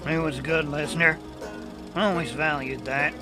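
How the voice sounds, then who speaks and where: A man's voice: a little high, steady tone, normal speed, over music, close to an everyday voice, poor audio. A man playing a folksy, word-muddling country man who is secretly a beast, in an audio drama with a Southern American accent. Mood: folksy, nostalgic. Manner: folksy, drawling, muddles words. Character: folksy rural Louisiana man, secretly a man-eating werewolf.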